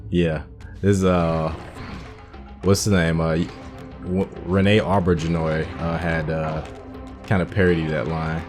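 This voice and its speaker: Deep-voiced man musing over gameplay. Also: flat delivery, measured pace, pauses often, over music. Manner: musing, thinking aloud while playing. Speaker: gaming channel host. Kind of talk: casual let's-play commentary.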